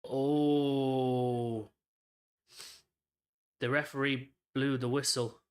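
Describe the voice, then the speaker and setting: A man's voice: mid-range voice, flat delivery, drawn-out words, smooth. A man hosting a live football watchalong, calling the play and ranting bluntly with lots of swearing. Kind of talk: live match commentary and rant.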